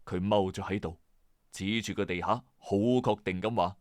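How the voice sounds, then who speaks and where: A man with a Hong Kong Cantonese accent, the storyteller and host of a late-night mystery story channel, narrates a scripted true-crime mystery in a dramatic, suspenseful way, dropping in colloquial asides. His voice is low and darkish, with fairly even intonation and a moderate pace. The recording is clean studio sound with no room sound.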